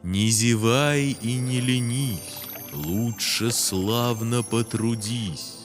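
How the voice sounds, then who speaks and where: A man voicing a solemn magical guide in a children's cartoon, reciting rhymed riddles in a measured way. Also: mid-range voice. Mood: solemn, instructive. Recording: music behind the voice.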